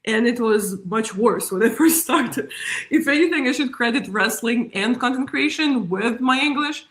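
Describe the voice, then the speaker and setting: A woman's voice: on the high side, normal speed. Russian-accented woman in an echoey room. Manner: animated, laughs often. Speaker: guest, media strategist. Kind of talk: casual interview talk.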